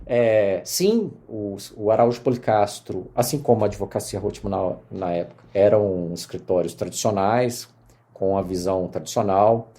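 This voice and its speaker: A middle-aged man from Minas Gerais with a Mineiro accent, telling his career story as a podcast guest in lively casual conversation. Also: fairly low pitch. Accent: Mineiro Portuguese. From Minas Gerais, Brazil. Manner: animated storyteller, many fillers.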